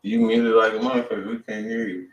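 A man's voice: on the low side, completely flat delivery, fast talker. A man hosting a music review stream in casual chat, slangy and profane. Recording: roomy, distant mic, faint noise.

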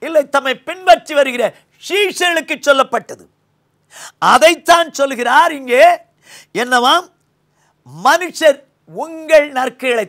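High-voiced older Tamil pastor preaching. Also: male voice. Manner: preaching, swings between loud high emphasis and low quiet lines. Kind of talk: sermon. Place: small studio set, indoors. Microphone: lapel mic.

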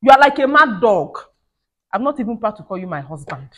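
A woman's voice: medium pitch, very animated, fairly quick. A woman playing a fiery young wife who rants and scolds, repeating herself. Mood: scolding. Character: fiery young wife feuding with her mother-in-law. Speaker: skit actor. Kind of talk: comedy skit acting.

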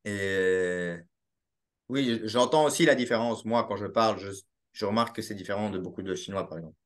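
A man's voice: on the low side, fairly quick. A young man from Belgium with a Belgian French accent, a podcast guest talking casually and hesitantly over a video call from a small home room. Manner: hesitant, with many restarts and fillers. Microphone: laptop webcam mic on a video call.

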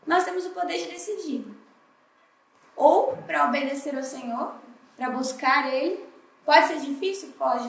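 A woman's voice: high voice, distant mic. A woman with a Brazilian Portuguese accent giving a heartfelt morning devotional sermon at a church congress, voicing her own prayers as she speaks. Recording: roomy hall, voice a bit off the mic.

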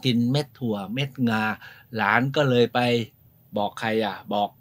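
A man hosting a tour, telling stories in a lively, polite, informal way outdoors. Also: medium pitch, moderate pace. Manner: lively storyteller, polite, often adds polite particles. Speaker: host and tour guide. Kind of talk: informal guided-tour storytelling. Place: outdoors at a temple.

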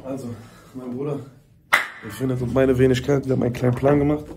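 Fast mock-formal young man. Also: medium pitch, little pitch movement, echoey room, very noisy. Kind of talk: mock-serious plan briefing.

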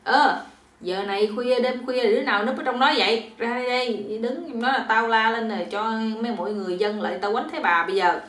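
A woman's voice: a little high, expressive, normal speed. A woman with a Southern Vietnamese accent voicing a gullible mother-in-law who exclaims and scolds in a raised, fussing voice. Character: gullible, fussy young-looking mother-in-law. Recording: roomy echo.

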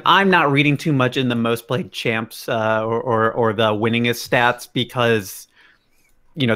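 Bright-voiced man co-hosting a podcast. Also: medium pitch. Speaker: podcast co-host. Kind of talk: casual gaming podcast chat.

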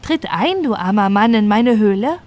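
A woman's voice: mid-range voice, lively intonation, normal speed, darkish tone, lightly acted. A woman voicing a small friendly house goblin, kindly and admonishing, in a fairy-tale audiobook. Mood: kindly inviting.

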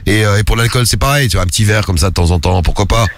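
Fast-talking male radio host, dry studio sound. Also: on the low side, no echo. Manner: blunt, informal slang. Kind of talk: lively casual phone-in banter. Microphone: close studio microphone.

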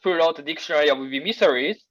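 A man in the audience of a webinar asking a question over a video call, slow and halting as he searches for words. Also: fairly high pitch, a bit bright, no echo, low-quality recording.

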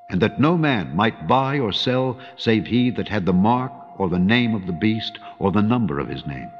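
A low-voiced man reads scripture slowly and solemnly, drawing out key phrases. His voice rings in a long reverb, with a dull, muffled sound and faint music underneath. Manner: measured, solemn delivery, slowing for emphasis and rising when quoting angels. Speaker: Bible reader. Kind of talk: dramatic scripture reading.

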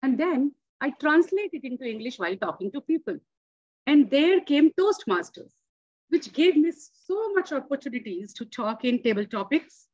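A woman in her forties whose first language is Hindi speaks with earnest emphasis, her voice a touch high. The video call audio is dull and lo-fi, and the sound is dry and close. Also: very animated, moderate pace, a little mellow, no room sound. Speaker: club member answering a table topic. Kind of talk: impromptu speech. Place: home room.

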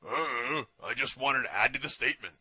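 A man's voice: mid-range voice, moderate pace, pushed and bright, slightly rough, dry recording. A man voicing a dim-witted young henchman in a fan parody dub, dopey and whiny.

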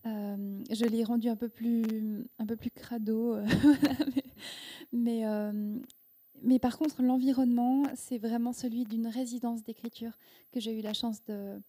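Guest author, woman in her thirties, Korean as first language; higher-pitched but very warm, mellow tone, handheld mic, halting reflective delivery. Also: steady tone. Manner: thoughtful, halting, with many restarts and fillers. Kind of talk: reflective interview answers. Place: indoor event room with audience. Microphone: handheld microphone.

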